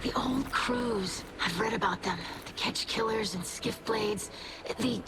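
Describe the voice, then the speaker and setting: A woman's voice: on the high side, measured pace, very noisy, natural voice. A woman playing a curious, earnest young alien in a video game, phrasing things carefully and inquisitively.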